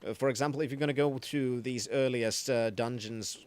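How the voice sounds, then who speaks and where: A man's voice: mid-range voice, fairly even intonation, fairly quick, darkish tone. A man streaming a game, chatting casually and explaining the mechanics as he plays, often restarting his sentences. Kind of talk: casual gaming commentary.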